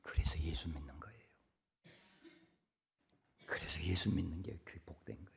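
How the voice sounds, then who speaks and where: A man preaching a sermon from the pulpit. He drops to hushed whispers, then repeats words loudly for emphasis, and keeps asking the congregation questions. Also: rumbling low, steady tone, normal speed, vocal fry, a little hiss or hum. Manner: swings between hushed whispers and loud emphatic repetitions; conversational, asks the congregation questions. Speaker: pastor. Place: church sanctuary pulpit.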